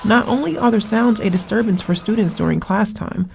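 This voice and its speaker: A woman's voice: mid-range voice, a little fast, vocal fry, darkish tone, slight background noise. A woman in her twenties delivering scripted local news reports as a student reporter. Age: 20s. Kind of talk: scripted news package narration and stand-ups.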